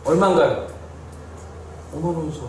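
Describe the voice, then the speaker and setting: A man's voice: fairly high pitch, moderate pace. A male pastor giving an emphatic Bible study sermon, repeating phrases and asking the congregation questions. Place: church hall. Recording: very echoey hall, distant mic, faint hiss.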